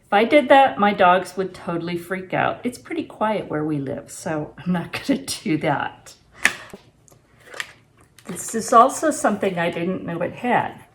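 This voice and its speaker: With background noise behind her, a woman in her sixties speaks in a lowish, sing-song voice, a little slowly. She talks unscripted to camera in her home kitchen as a homesteading vlogger, reviewing gear and offering practical advice in a casual, plain-spoken, reflective way.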